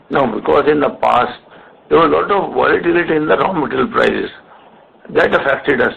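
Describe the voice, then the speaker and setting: A man with an Indian accent answering questions as a company executive on an earnings call, in a halting way with repeated words. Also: a little high, lively intonation, vocal fry, slightly rough. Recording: muffled narrow phone conference line.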